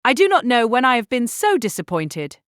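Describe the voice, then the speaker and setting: An actress playing a spirited young gentlewoman in a period audiobook drama, genteel, expressive and emphatic. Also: on the high side, a little fast, smooth, dry recording, studio quality. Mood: vexed, disappointed.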